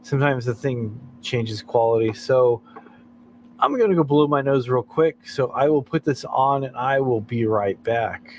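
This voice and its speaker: An easygoing man chats casually on a late-night livestream, rambling between clips. He speaks at an unhurried pace in a medium voice. Faint background noise sits behind him. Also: mid-range voice. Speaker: livestream host.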